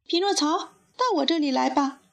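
A woman voicing an excited male clown puppet in a patchwork costume, shouting loudly in amazement. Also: high-pitched, moderate pace, creaky, soft background music, pitched above the performer's own voice. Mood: welcoming.

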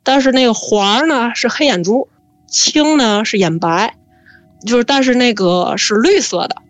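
A woman telling a spooky family story in a lively, chatty way, drawing out her fillers. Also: a little high, normal speed, no room sound. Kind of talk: casual spoken storytelling.

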